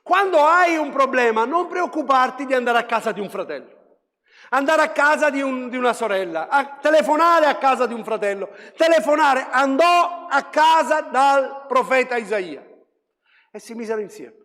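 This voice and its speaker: A male pastor delivering a fervent sermon, dropping to a hush and then rising to shouts. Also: very high-pitched, expressive, moderate pace. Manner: fervent preaching that swings between hushed and shouted. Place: church hall. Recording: long hall reverb.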